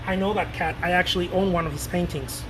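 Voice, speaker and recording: A man in his late thirties talking casually to his viewers as a painter, loose and animated, repeating words and swearing now and then. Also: sits high, quick pace, background noise. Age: 30s. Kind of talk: casual rambling talk to camera.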